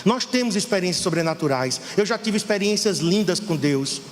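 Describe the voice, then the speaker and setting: A Brazilian pastor preaches with fervor, his voice sitting high for a man. The sound carries a long reverb from the church hall, with faint noise underneath. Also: lively intonation, normal speed. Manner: fervent, preaching to the congregation. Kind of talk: sermon.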